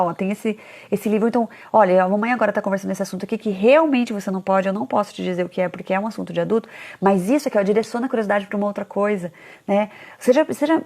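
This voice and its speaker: A woman talking casually to parents about children, animated, often acting out parents' complaints in a higher voice. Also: creaky. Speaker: parenting educator.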